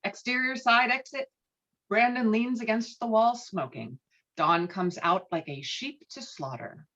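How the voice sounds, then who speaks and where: A woman's voice: fairly high pitch, a little slow, a bit bright, lo-fi sound. A woman reading screenplay stage directions as scripted narration in a virtual table read.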